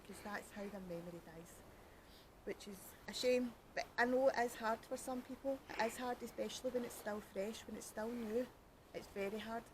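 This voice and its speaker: A woman's voice: medium pitch, a little mellow, slight background noise, poor audio. Chatty Glaswegian woman outdoors. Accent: Glaswegian Scottish. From Scotland. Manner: chatty, joking, self-mocking, rambling. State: cold, fingers freezing. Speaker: podcast host. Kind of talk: casual chat. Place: outdoors by a canal at night.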